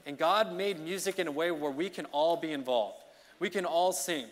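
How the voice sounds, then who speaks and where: A man preaching an informal midweek sermon as song leader, talking in a conversational, energetic way that keeps checking in with the congregation. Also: fairly high pitch, normal speed. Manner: conversational, energetic, often checks in with "okay?" and "you know". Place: church sanctuary. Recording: long reverb of a church hall.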